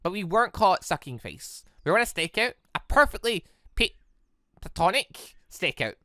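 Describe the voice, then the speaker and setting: Young game heiress acted by a narrator: proud, easily flustered, earnest, bright and dry-sounding. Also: medium pitch, very animated, moderate pace, dry recording. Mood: flustered, defensive.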